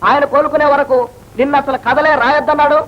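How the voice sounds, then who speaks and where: A cocky young upstart who mocks and threatens with quick, high-pitched talk. It comes through a dull old film soundtrack with faint hiss. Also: male voice, level tone. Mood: brash. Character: cocky young male story character, brash and threatening. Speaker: character in a film comedy. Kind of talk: 1980s film comedy acting.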